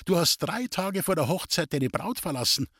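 A man's voice: fairly high pitch, lively intonation, normal speed, fairly bright tone, slightly rough, dry recording, studio quality, pitched above the performer's own voice. A male narrator voicing a sly young girl from a traveling band who teases with what she knows. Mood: teasing. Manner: playful, knowing.

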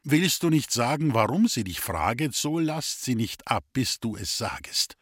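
Mann spricht einen griesgrämigen alten schwaben, belehrend und lebhaft im ton, trocken aufgenommen. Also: male voice, mid-range voice, very animated, a little slow, fairly bright tone, breathy edge, no room sound, clean studio sound, heavily acted. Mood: grumbling lecture. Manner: sententious, reeling off proverbs. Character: grumbling old Swabian bachelor preaching against marriage.

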